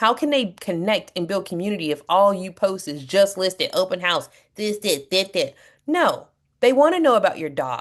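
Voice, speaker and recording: Speaking with a Southern accent, a woman at medium pitch makes very wide pitch swings over a quiet background. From US South, Mobile, Alabama. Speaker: real estate trainer. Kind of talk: training class.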